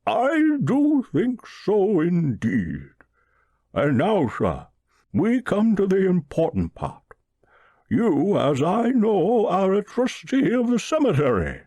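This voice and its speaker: High, slow, pompous old gentleman. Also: huge pitch swings, no room sound, full character voice. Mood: grave, solemn. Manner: grave, pompous, drawn-out delivery. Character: solemn, grandiose rich old man planning his tomb.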